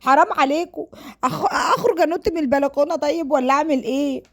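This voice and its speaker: A woman's voice: high-pitched, fast, pitched above the performer's own voice. A woman with an Egyptian accent playing a distraught, defiant young woman in a domestic story, wailing and pleading melodramatically against an arranged marriage. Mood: desperate, pleading.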